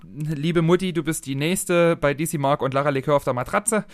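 A man co-hosting a podcast in casual chat, dropping wry, quick quips. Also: on the high side, no room sound, studio quality. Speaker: podcast co-host.

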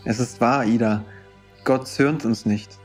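Man acting as youthful preacher, gentle but fervent, solemn, persuasive, audio drama, music underneath. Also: mid-range voice, steady tone, unhurried, close to an everyday voice. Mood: fervent, assuring. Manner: solemn, intense, exhortatory.

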